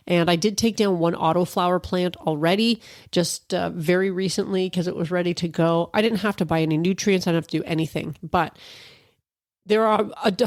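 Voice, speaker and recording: A woman in her forties talks through her solo podcast in a loose, rambling way, with plenty of fillers and restarts. Her voice sits a bit low and sounds faintly stuffed up from allergies. The recording is close and dry, with no room sound. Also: no room sound. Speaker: podcast host. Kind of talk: casual solo podcast chat.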